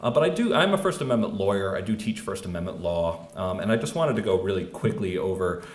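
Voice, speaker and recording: A man with an American accent speaks very fast and hardly pauses, his voice somewhat breathy and fairly low in pitch, with ordinary pitch variation and audible room echo. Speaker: First Amendment lawyer and free speech activist. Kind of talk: lecture. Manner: halting, many fillers.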